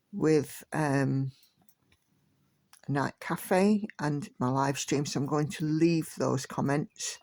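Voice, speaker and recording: A woman chatting slowly and gently from home while she stitches, like a vlogger talking along with her work. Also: sits low, gravelly, no echo. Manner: slow, gentle, relaxed chatter. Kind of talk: casual chat while stitching.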